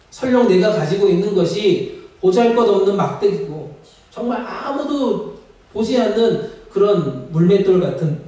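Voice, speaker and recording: A man's voice: high voice, mellow. A man preaching a sermon as pastor, calling out to the congregation and rising to emphatic peaks. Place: church sanctuary. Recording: echoey sanctuary, mic at a distance.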